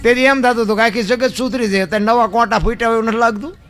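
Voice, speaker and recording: A man with a Gujarati accent performing folk storytelling on stage, breaking into loud rhythmic rhymed recitation. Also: very high voice, steady tone, very fast. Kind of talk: Gujarati lok dayro storytelling. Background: music.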